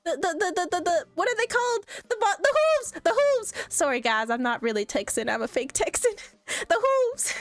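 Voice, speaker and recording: A young adult woman streaming casually, reacting to posts in a playful, animated way and laughing often. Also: very high-pitched, moderate pace, soft background music.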